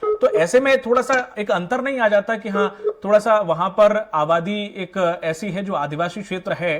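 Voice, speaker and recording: A man's voice: high voice, normal speed, a bit bright. A man anchoring a televised political debate, putting probing questions to the panel. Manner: probing questions, brief acknowledgements.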